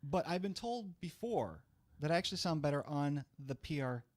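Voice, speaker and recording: A middle-aged man with a low, rough voice, hosting a casual live-stream chat in a small studio on a boom-arm mic. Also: animated. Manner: brisk, chatty, talks with his hands. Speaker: host. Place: small studio room full of gear. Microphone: studio mic on boom arm, headphones on.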